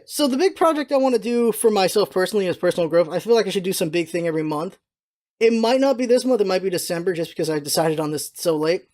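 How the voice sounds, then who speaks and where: A man with a noticeably high voice talks as the host of his own channel. His delivery is casual and unscripted, meandering from point to point as he thinks aloud in an informal way. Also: a little mellow. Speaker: video creator and streamer, channel host. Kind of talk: casual channel update, rambling chat.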